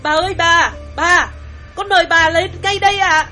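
A man's voice: very high voice, fairly even intonation, normal speed, sharp tone, soft background music, pitched above the performer's own voice, heavily acted. A man voicing a young female household servant who speaks politely and hesitantly, fretting to her mistress. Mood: fretful.

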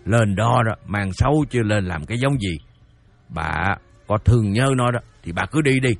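Grumpy old dad, low gravelly husky voice, brushes everything off. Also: male voice, expressive, normal speed, dry recording. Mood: stubborn. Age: older. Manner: gruff, dismissive. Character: stern, grudging old man, proud father. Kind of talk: radio drama acting.

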